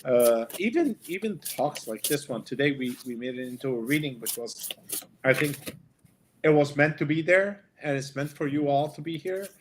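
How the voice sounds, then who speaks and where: A man, a spiritual medium, talks in a casual podcast chat, encouraging and halting, often repeating his words. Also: fairly high pitch, animated, noisy background.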